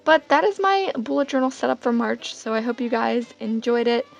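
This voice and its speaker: Hoarse young woman rambling over soft music. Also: fairly high pitch, lively intonation, fairly quick, rough recording. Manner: rambling, filler-heavy and self-deprecating. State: hoarse, getting over being sick. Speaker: bullet journal vlogger. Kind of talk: casual voice-over narration.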